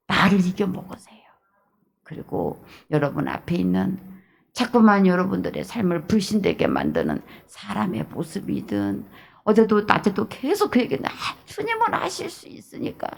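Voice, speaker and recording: A woman pastor with a Jeolla Korean accent, preaching an early-morning sermon in an emphatic, repetitive way with hushed asides. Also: medium pitch, gravelly.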